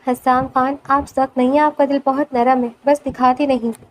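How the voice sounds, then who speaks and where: A woman voicing a timid young woman who speaks softly and hesitantly. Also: high voice, flat delivery, slight background noise, natural voice. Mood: whispered. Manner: hesitant, soft-spoken.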